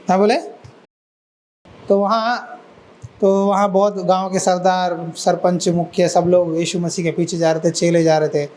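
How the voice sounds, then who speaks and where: A male pastor giving a sermon, telling a story with lively acted-out voices and asking the listeners questions. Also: high voice, measured pace, poor audio. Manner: asks the listeners questions and answers them.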